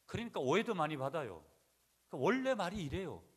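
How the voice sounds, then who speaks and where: A middle-aged man from South Korea preaching a sermon as pastor, blunt and emphatic, with rhetorical questions and sudden loud bursts. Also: fairly high pitch, big pitch swings, fast talker. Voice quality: blunt, rough-edged seaside manner of speech.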